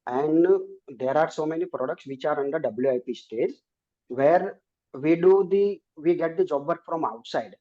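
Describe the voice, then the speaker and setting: A man's voice: fairly high pitch, moderate pace. A man with an Indian accent, a company executive explaining figures on a conference call. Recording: dull lo-fi call audio.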